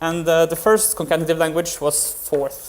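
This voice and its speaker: A man with a Norwegian accent speaks at a fairly high pitch. His pace is fairly quick. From Norway. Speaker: conference speaker, front-end programmer. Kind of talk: conference talk. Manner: hesitant, many fillers.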